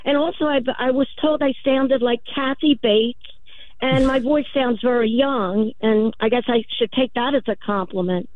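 A woman's voice: a little high, normal speed, no echo. A woman from Philadelphia with a Philadelphia accent, calling in to a radio show and speaking earnestly, a little hesitantly. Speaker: caller. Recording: phone line.

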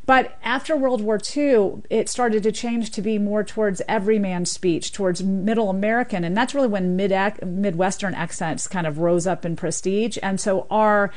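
A woman's voice: mid-range voice, fairly even intonation, normal speed, hardly any pauses. Enthusiastic woman explaining on the radio. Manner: fluent, enthusiastic explaining with many "you know" fillers. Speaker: linguist guest expert.

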